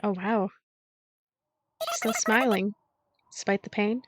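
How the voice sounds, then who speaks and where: A woman hosting a let's play, reading a visual novel aloud as expressive narration with casual commentary. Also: mid-range voice, takes it slowly, heavy background noise.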